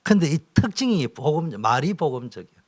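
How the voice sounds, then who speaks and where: Emotional pastor, lively pitch. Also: male voice, brisk. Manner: emotional, swings from loud exhortation to whispers. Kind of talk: sermon-style training lecture.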